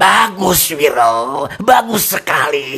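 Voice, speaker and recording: Put on as a character voice, the speech comes at a very slow pace and a middle pitch. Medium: read story. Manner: rough, bossy, mocking.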